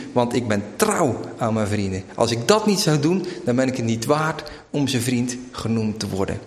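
A preacher with a mild Zeeuws-Vlaams lilt tells a story from the pulpit, voicing its characters as he goes. His voice sits at an ordinary middle pitch. It carries through a roomy hall that rings with a long reverb. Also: gravelly. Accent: Zeeuws-Vlaams Dutch. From Zeeland, Netherlands. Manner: storytelling, shifting into quoted voices, emphatic. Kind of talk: sermon.

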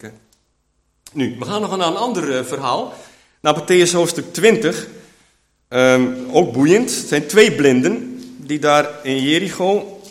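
A man teaching from the Bible in a conversational way, often checking in with his listeners. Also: mid-range voice. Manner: chatty, keeps checking in with listeners. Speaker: preacher.

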